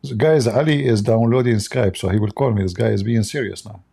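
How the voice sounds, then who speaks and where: A man hosting a casual livestream, hoarse from losing his voice and joking as he rambles along. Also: on the low side, brisk. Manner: joking, rambling while fiddling with software. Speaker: livestream debate host.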